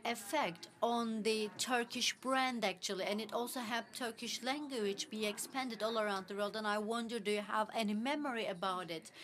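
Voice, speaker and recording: A woman works as a simultaneous interpreter at a panel, carrying the talk into English as it happens. Her phrasing comes in short, halting chunks, with restarts and small fillers as she keeps pace with the speakers. Her pitch sits in a middling range. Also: fairly bright tone.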